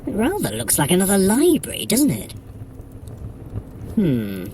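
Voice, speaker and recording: A woman's voice: mid-range voice, huge pitch swings, unhurried, warm tone, a little hiss or hum. A woman playing a sly, haughty trickster deity in an audio adventure workout, with an arch, droll, condescending delivery. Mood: arch, commanding. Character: sly, haughty trickster deity guiding a mortal through a heist. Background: music.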